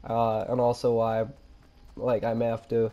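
A young man with a cold, stuffed up and nasal, commentating his own gameplay and pausing for breath, with excited outbursts. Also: medium pitch, dull audio. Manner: nasal, pauses for breath mid-sentence; excitable exclamations during fights. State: congested from a cold. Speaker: gaming channel host.

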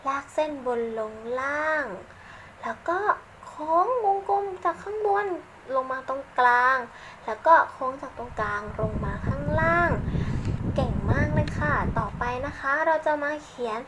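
A woman teaching young children English letters in a gentle, patient, praising way. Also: high-pitched, expressive, measured pace, background noise. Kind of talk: children's lesson, slow and encouraging.

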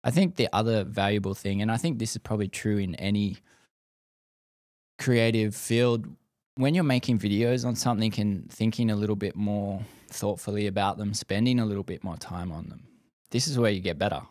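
Man, lowish voice, podcast guest, dry studio mic, thoughtful, lots of likes. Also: a little fast, darkish tone, dry recording. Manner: thoughtful, many likes and restarts. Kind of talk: casual podcast interview. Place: dim studio set. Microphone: boom-mounted studio mic.

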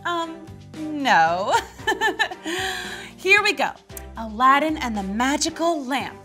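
A woman hosting a children's story time, narrating in an animated storytelling style. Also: high voice, extremely slow, faint music behind.

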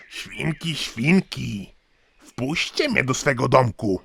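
A man voicing a menacing cartoon big bad wolf with slow, drawn-out threats and a gravelly voice. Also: mid-range voice, lively intonation, a bit bright, exaggerated voice. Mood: menacing, gloating.

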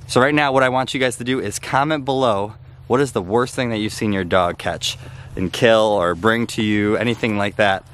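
A man's voice: lowish voice, normal speed, fairly bright tone. A young man filming himself at arm's length outdoors, chatting casually and explaining step by step. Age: young adult. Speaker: homestead vlogger. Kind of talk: casual talk to camera. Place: outdoors in a snowy yard, partly in a house. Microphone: handheld camera at arm's length.

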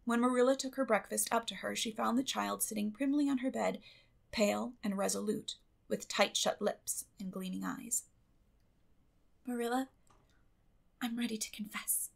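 Creaky-voiced woman narrating an audiobook. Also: medium pitch, moderate pace. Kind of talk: scripted literary narration.

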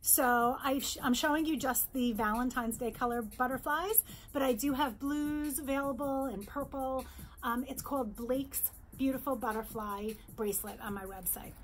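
A middle-aged woman from New York, a jewelry designer, presenting her bracelets in a bright, chatty sales pitch in her showroom, close to the camera. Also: moderate pace, slight background noise. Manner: upbeat, chatty sales pitch, holds up pieces. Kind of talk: virtual trade show product presentation. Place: indoor showroom with jewelry displays.

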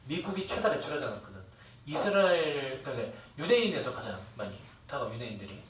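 This young instructor talks fast in a sing-song, mid-range voice as he lectures, rambling, joking with the class and cursing freely. A distant mic in an echoey room picks him up along with faint ambience and a slight hiss or hum.

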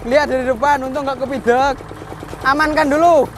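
A man, talking through a casual, excited, slangy vlog outdoors in a rice field. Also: very high-pitched, brisk. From Indonesia. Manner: excited, slangy, calls viewers "boy". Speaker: vlogger. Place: outdoors in a rice field beside a running tractor.

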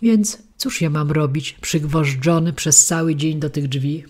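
A woman's voice: sits low, a little slow, darkish tone. A woman voicing a cold, desperate wooden puppet boy who begs urgently, in a storybook reading. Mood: pleading. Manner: pleading, urgent.

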